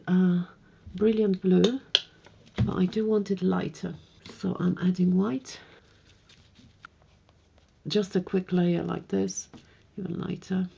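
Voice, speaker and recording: A woman with a slightly hoarse, croaky voice hosts a painting tutorial, chatting and thinking aloud as she works. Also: medium pitch, mellow, a little hiss or hum. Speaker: art tutorial host. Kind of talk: casual painting tutorial narration.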